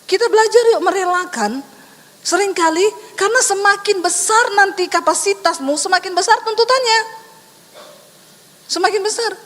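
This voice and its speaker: A woman pastor preaches a lively sermon. She teases her listeners with rhetorical questions. Long reverb from a large church hall trails her words. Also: very high voice, moderate pace. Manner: animated, teasing, full of rhetorical questions.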